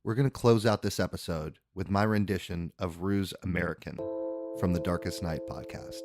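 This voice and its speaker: A man's voice: sits low, steady tone, moderate pace, a little mellow, soft background music. A man presenting a podcast in a casual sign-off style.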